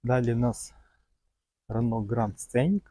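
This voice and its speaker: A man with a mellow, mid-range voice talks a little slowly as he casually shows cars for sale at an outdoor market. His walk-around commentary is loose and rambling, full of fond little words. The recording is rough but has no echo.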